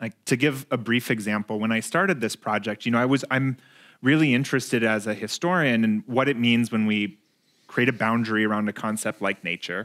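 A man with an American accent at a fairly quick pace, with ordinary pitch variation over a quiet background. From US Midwest. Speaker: museum curator. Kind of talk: live interview. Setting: stage with audience. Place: stage.

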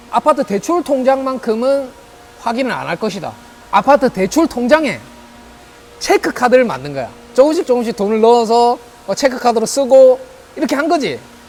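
A man's extremely high-pitched voice with lively intonation, a moderate pace and long, frequent pauses, over noticeable background noise. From Busan, South Korea. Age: 40s. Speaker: office worker. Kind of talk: casual vlog talk to camera.

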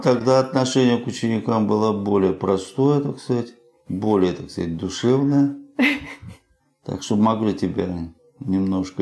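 Lively intonation at a fairly slow pace, with long, frequent pauses and music in the background. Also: man. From Russia. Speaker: retired teacher and beekeeper. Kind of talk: casual interview answers telling childhood stories. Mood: warm, reminiscing, relaxed. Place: home room. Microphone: lapel.

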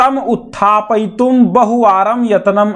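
A man talks at an extremely high pitch. He keeps his intonation fairly even. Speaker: Sanskrit teacher. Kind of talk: lecture.

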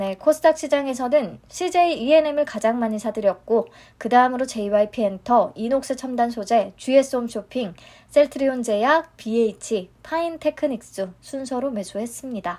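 Recorded very cleanly against a silent background, a woman speaks fairly slowly in a high pitch with a dark, mellow tone and lively intonation. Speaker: stock market YouTuber. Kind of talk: daily market wrap-up commentary. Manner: calm, soft, casual-formal.

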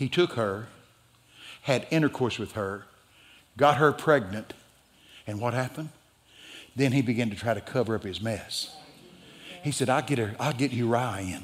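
Speaking with a Southern US accent, a man talks at a moderate pace with ordinary pitch variation and long, frequent pauses. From Texas. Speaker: pastor. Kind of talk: sermon. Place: church.

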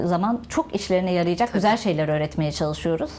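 The intonation is lively. It comes from a woman. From Istanbul, Turkey; Turkey. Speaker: first aid instructor. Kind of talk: interview. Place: studio.

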